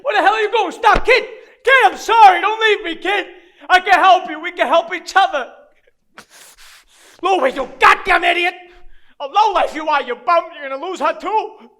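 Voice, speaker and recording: Dramatic monologue: male actor as a self-loathing, grieving loser of a dad, very high strained pitch, bright forceful edge, streetwise and profane. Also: animated, normal speed, exaggerated voice. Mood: anguished, frantic. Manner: rambling, profane, streetwise, talking to an unseen child. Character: down-and-out grieving father, foul-mouthed, self-loathing, desperate loser.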